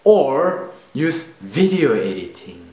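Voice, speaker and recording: A man's voice: fairly high pitch, big pitch swings, takes it slowly, dark tone, roomy sound. A young man in his twenties with a German accent, playful and self-mocking as he answers questions in a casual video. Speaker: vlogger. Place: room indoors. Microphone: camera at close range.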